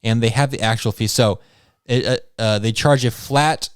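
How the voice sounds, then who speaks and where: A man's voice: medium pitch, fairly even intonation, normal speed, clean tone, no room sound. Male podcast co-host, trivia-game patter, jokey, dry close mic. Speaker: podcast co-host and quiz master. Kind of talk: casual podcast chat, hosting a trivia game.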